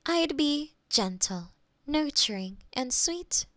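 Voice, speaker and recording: A woman's voice: sits high, expressive, a bit bright, dry recording, heavily acted. A woman playing a polite, literal AI girlfriend in a scripted roleplay, speaking formally and helpfully, close on a binaural microphone. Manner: formal, measured, robotically helpful. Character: polite female AI girlfriend companion, literal, eager to please. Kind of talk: scripted roleplay audio, ASMR.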